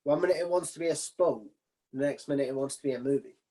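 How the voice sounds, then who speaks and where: Male interviewer, slightly high voice, informal and matey, chatting as a channel host. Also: fast talker, mellow. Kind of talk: casual interview chat.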